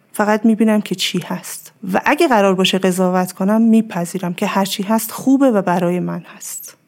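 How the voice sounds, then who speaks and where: A woman speaking as a podcast guest, calmly explaining her ideas with everyday examples in a reflective, advising tone. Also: medium pitch, gravelly. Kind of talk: reflective advice in conversation.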